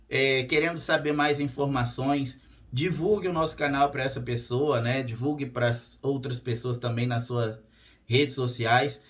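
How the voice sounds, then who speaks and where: Talking straight to his viewers, this spiritual therapist and channel host gives a casual monologue to camera in a hoarse, strained voice with a raspy edge that occasionally breaks. His mid-pitched tone is fairly bright, and he's plain-spoken and unfussy, frequently adding "tá?" to check in.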